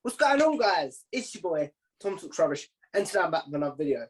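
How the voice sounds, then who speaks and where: A man's voice: on the high side, very animated, quick pace. Casual male interview host.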